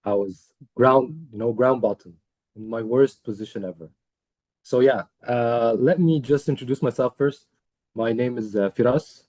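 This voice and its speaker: A young man from Egypt, a coaching client telling his story in an interview, earnest and measured, with many pauses and fillers. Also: medium pitch, a little mellow, no echo. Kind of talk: testimonial interview.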